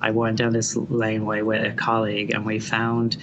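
Irish guy from dublin, forties, rambly and thoughtful, lots of ums, loud hiss under it all. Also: fairly low pitch, monotone, normal speed, muffled recording. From Ireland. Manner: reflective, rambling with many fillers and restarts. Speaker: architect. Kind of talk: casual interview. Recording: loud background noise.

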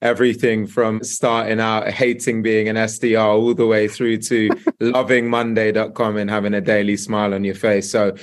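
A man's voice: on the low side, level tone, moderate pace, hardly any pauses. A man hosting a podcast, opening the show and questioning his guest in a polished, upbeat delivery. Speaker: podcast host.

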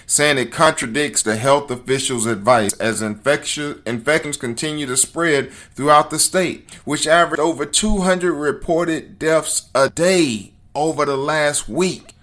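A man's voice: a little high, unhurried, few pauses, a bit bright. A man hosting an opinion talk show, speaking emphatically and straight to his listeners. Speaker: podcast host.

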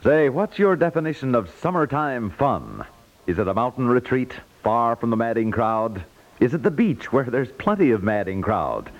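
A man's voice: mid-range voice, a little mellow. A man announcing a scripted 1950s radio promo with polished, breezy salesmanship. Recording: dull vintage 1950s radio recording.

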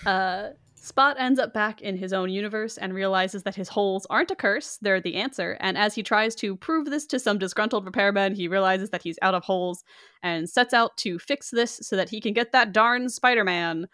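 A woman's voice: medium pitch, moderate pace, a bit bright, no echo, studio quality. A woman hosting a podcast, recapping a film's plot in casual chat, with frequent fillers and small laughs. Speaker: podcast host.

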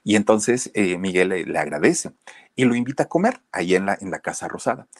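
A man's voice: low-pitched, big pitch swings, a little fast, dry recording, clean studio sound. A man with a Mexican accent telling a story in a casual, chatty way, speaking straight to his listeners with plenty of fillers. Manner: addresses listeners directly, chatty with many fillers.

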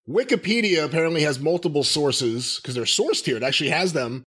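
A man's voice: a little high, a bit bright. A man co-hosting a wrestling podcast, factual and reading details from his notes. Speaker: podcast co-host. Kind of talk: casual wrestling podcast chat.

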